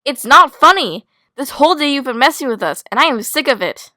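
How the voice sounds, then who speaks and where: A woman voicing an earnest, dramatic schoolgirl character in an animated roleplay. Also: high voice, fast, dry recording, clean studio sound. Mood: angry.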